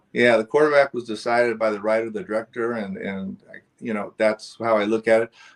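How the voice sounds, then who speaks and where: A normal speaking voice from a man at medium pitch, fairly quick in pace, with ordinary pitch variation and a dry, close sound with no echo. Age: 60s. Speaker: actor. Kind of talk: interview.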